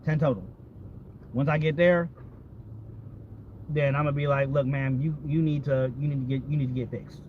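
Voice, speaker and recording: Casual American male vlogger, candid and profane, mid-pitched, slightly noisy lo-fi recording. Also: level tone, normal speed, pauses often. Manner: candid, profane, repeats himself. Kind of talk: casual rambling chat. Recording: dull lo-fi audio with background vehicle noise.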